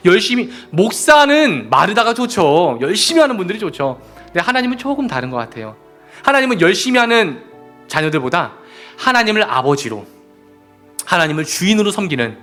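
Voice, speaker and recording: A man preaching a sermon as pastor, animated and repeatedly appealing to his congregation. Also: high-pitched. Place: church sanctuary.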